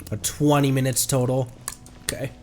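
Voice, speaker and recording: A man's voice: medium pitch, level tone, moderate pace, darkish tone. A man giving casual, playful commentary on a game livestream. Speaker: streamer. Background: game music.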